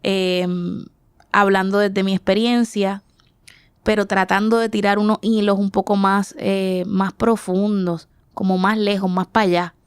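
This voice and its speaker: A woman's voice: mid-range voice, flat delivery, unhurried, clear, resonant tone, no echo, studio quality. A woman in her forties from the Dominican Republic, answering interview questions reflectively and searching for her words. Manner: thoughtful, searching for words, frequent restarts. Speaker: artist guest.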